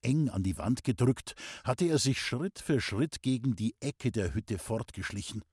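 A man reading a classic novel aloud as an audiobook, in even, measured storytelling. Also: medium pitch, slightly rough, no room sound, studio quality. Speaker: audiobook reader. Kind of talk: scripted narration of a classic novel.

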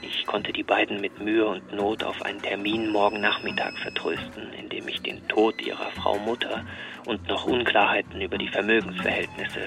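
A fussy low-voiced bank clerk. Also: male voice, vocal fry. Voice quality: formal, hesitant, worried. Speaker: bank employee.

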